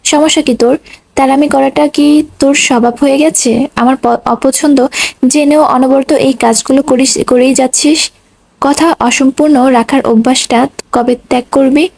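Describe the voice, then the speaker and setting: A stern young man who scolds firmly yet cares deeply, as a woman reads him aloud in a storybook. The voice sits high and mellow. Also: steady tone, normal speed, poor audio. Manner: scolding, firm. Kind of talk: audiobook reading.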